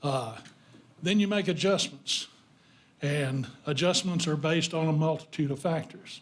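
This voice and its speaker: Somewhat breathy and fairly even in intonation, a man with a Tennessee accent speaks at a fairly high pitch. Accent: Tennessee Southern. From US South, Tennessee. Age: 70s. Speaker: retired real estate appraiser, public commenter. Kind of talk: public comment at council meeting. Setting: city council chamber.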